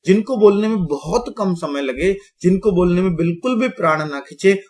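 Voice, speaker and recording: A man's voice: sits high, normal speed, darkish tone. A man teaching grammar, explaining step by step, checking in with his viewers often and saying sounds aloud to demonstrate them. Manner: explains step by step, repeating "theek hai" and addressing viewers as friends; demonstrates sounds aloud while pointing at written letters. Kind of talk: classroom-style explanation to viewers.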